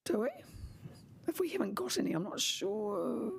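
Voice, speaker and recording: A woman chairing a council committee meeting, her voice slightly raspy from a sore throat, speaking hesitantly with fillers and apologies. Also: a little high, sing-song, normal speed, a little hiss or hum.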